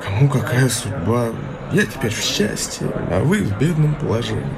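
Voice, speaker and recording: An actor playing a young clerk, newly prosperous, who talks in a wheedling, ingratiating way. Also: male voice, mid-range voice, big pitch swings, normal speed. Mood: condescending. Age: young adult. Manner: ingratiating, wheedling, pushy kindness. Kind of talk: radio drama acting. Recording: hissy radio play recording.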